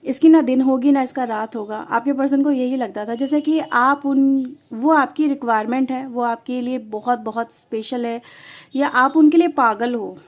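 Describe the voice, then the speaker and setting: High-voiced woman reading tarot. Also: normal speed. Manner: conversational, mixes English words, addresses viewers often. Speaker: tarot reader. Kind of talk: casual tarot reading to viewers.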